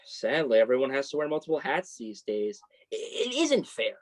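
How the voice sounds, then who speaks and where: A woman's voice: very deep voice, sing-song, normal speed, darkish tone, heavily acted. A woman playing a supportive, self-deprecating young male journalist and best friend in a staged reading of a play. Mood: sympathetic, encouraging.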